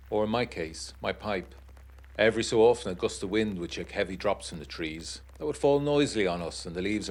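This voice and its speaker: A man acting an educated 1920s gentleman who reads out his uneasy letter in a formal, measured, literary way. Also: low-pitched. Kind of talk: dramatic reading of a gothic period letter.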